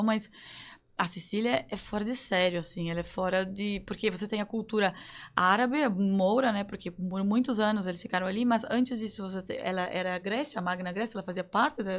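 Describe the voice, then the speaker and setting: A woman from Brazil, a guest on a podcast, chatting in an animated way with quick asides and frequent laughter. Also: medium pitch. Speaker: guest, citizenship consultant. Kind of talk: casual podcast chat. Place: studio table.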